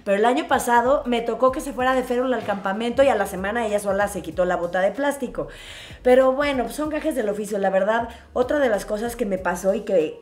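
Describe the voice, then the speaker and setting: A woman with a Mexican accent telling a family story to her viewers in a casual, animated way. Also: on the high side. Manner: animated, expressive, acts out scenes. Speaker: vlogger.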